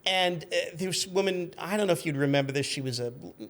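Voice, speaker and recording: A man in his fifties telling anecdotes in an animated, chatty way as a podcast guest. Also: on the high side, a little fast. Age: 50s. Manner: chatty, acts out quoted shouts. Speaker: podcast guest, magazine editor.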